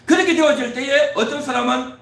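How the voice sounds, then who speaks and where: High, animated Korean preacher in echoey hall. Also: male voice, a little fast, vocal fry. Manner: preaching with rising emphatic repetition. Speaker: pastor. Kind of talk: sermon. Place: church sanctuary. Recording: echoey church hall, distant mic.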